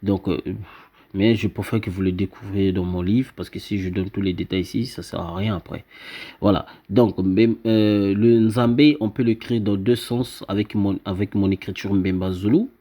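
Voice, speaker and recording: Low-voiced man, halting explainer. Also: steady tone, dark tone. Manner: hesitant, many fillers and restarts, points at things on screen. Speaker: self-styled teacher presenting his invented script. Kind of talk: informal explanatory talk over a screen.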